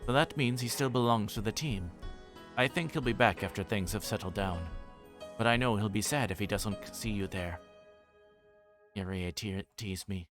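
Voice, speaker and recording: A man's voice: on the low side, moderate pace, over music. A man livestreaming a visual novel, reading the story aloud as narration with his own asides and voicing the dialogue. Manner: voices characters' dialogue while reading.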